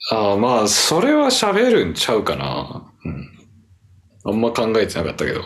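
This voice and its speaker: A man with a Kansai accent, with audible room echo around him. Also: moderate pace. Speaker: podcast co-host. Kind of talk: casual chat.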